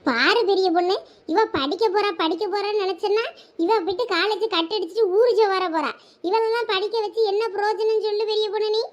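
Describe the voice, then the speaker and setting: A woman's voice: very high voice, brisk, lo-fi sound. A woman voicing an exasperated, anxious village mother in a cartoon, scolding and complaining in a Thoothukudi Tamil accent. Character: exasperated, anxious village mother fretting over her children. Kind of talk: cartoon village drama dialogue.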